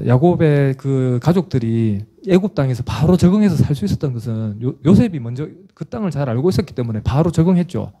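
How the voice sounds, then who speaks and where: A middle-aged man, a pastor preaching and telling a story in an animated way, with frequent restarts. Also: medium pitch. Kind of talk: sermon with storytelling.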